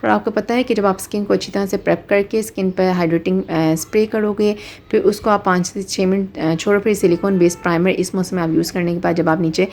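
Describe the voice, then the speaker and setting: Gravelly, mellow-voiced woman teaching makeup. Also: mid-range voice, fairly even intonation, fairly quick, slight background noise. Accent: Pakistani Urdu. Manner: explanatory, repeats and rephrases with fillers. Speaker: makeup artist. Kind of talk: step-by-step makeup tutorial.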